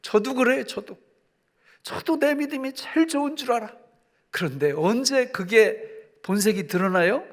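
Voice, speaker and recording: A middle-aged male pastor preaching a sermon, swinging from hushed, pleading passages to loud, excited preaching, and acting out prayers in quoted voices. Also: very high-pitched, normal speed. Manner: acts out prayers and God's questions in quoted voices.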